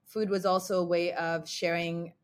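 A woman chef, born in Ghana and raised in New York, speaks as a podcast guest. Her voice sits fairly low, and she answers in a thoughtful, measured way. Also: little pitch movement. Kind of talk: interview answers.

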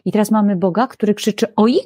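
A woman biblical scholar explaining scripture in lively conversation, often using fillers and acting out quoted lines. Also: mid-range voice, fast, slightly rough, no room sound, studio quality. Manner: animated, frequent fillers, acts out quoted voices.

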